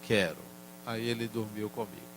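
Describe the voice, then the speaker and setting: Slow, measured older man lecturing. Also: medium pitch, expressive, noisy background. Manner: slow, measured, gentle storytelling. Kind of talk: spiritist lecture storytelling.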